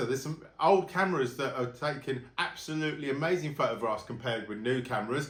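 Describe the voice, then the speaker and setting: A man with an English accent at a very fast pace, audible room echo around him. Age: 60s. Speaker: photographer and tech vlogger. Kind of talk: casual vlog monologue. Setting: spare room at home.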